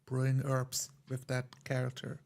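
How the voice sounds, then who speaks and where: Male player in a roleplaying game, medium pitch, conversational delivery. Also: monotone, measured pace, creaky, a little mellow. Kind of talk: casual chat.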